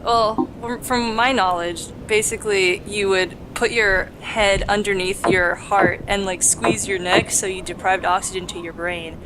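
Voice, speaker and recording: A woman's voice: medium pitch, steady tone, measured pace, hardly any pauses, background noise. A woman hosting a let's play with casual, jokey, sweary game commentary.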